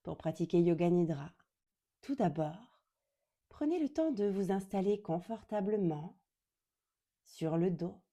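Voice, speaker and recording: A woman leads a guided meditation in a fairly low, very warm and relaxed voice. Her pace is slow and deliberate, with long pauses between short phrases. She sounds calm, gentle and soothing throughout. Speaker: yoga nidra guide.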